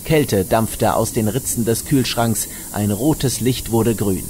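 A man's voice: fairly low pitch, takes it slowly, a little mellow, slight background noise. A man narrating a comedy audio drama from a script.

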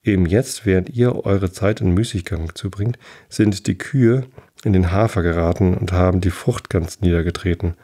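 A man's voice: sits low, normal speed, dark tone. A man voicing a tiny old male fairy cobbler who is sly, haughty and curt. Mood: scornful. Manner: curt, dismissive, slightly raised voice.

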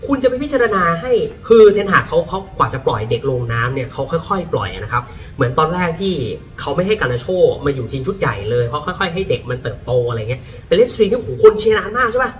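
A man talking about football in a casual, lively way, often breaking into exclamations. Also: a little high, fast talker, distant mic. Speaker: football pundit. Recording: voice a bit off-mic, faint music behind.

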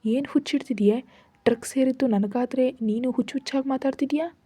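A woman voicing a sharp-tongued teenage girl who snaps and teases, a little higher and louder than her narration. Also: a little fast, breathy edge. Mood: teasing.

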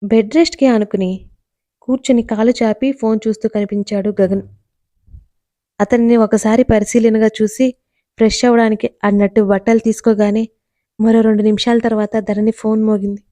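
A woman narrating a romance story with an even, measured reading. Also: on the high side, dry recording.

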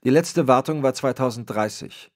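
A man's voice: mid-range voice, normal speed, darkish tone, pitched above the performer's own voice, lightly acted. A man voicing a formal, fussy AI assistant program in an audiobook. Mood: puzzled. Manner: precise, formal.

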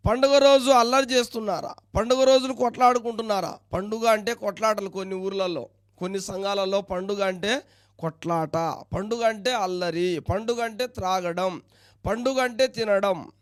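A man's voice: high voice, fairly even intonation, moderate pace, smooth, dry recording, studio quality. A man preaching a sermon as pastor, pressing his listeners with pointed questions.

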